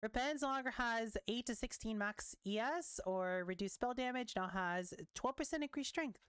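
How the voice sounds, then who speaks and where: A young woman giving casual commentary while reading patch notes, chatty and quick to react, swearing now and then, her voice wearing thin. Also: on the high side, fairly bright tone, clear, resonant tone, dry recording, studio quality. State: losing her voice. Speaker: gaming content creator.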